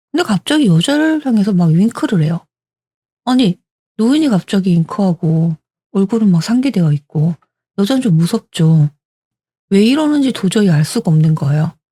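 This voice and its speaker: A woman's voice: mid-range voice, warm tone, husky, no echo. A woman in her forties telling a story in a conversational, dramatic way into a studio microphone at home. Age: 40s. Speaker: storyteller host. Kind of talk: told story narration.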